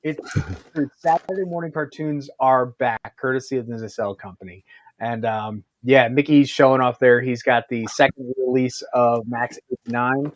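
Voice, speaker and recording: Male co-host, mid-pitched, casual, enthusiastic, rambling review chatter. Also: fairly even intonation, normal speed. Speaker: podcast co-host.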